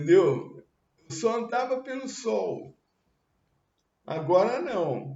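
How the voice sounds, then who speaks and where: The speech moves at a very slow pace, with audible echo from the room. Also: man. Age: 70s. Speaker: spiritist study leader. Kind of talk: religious study talk. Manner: casual, conversational.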